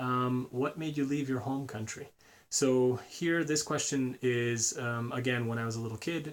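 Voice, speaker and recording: In an American accent, a man speaks at a medium pitch with fairly even intonation. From Connecticut, US. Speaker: vlogger. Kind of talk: casual vlog talk. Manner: hesitant, many fillers.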